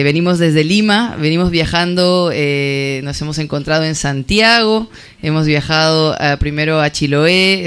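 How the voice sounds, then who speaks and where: A trans singer-songwriter with a Peruvian accent, introducing themselves and a song on the radio in a soft, halting way with many pauses. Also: medium pitch, clean tone. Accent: Peruvian Spanish. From Peru.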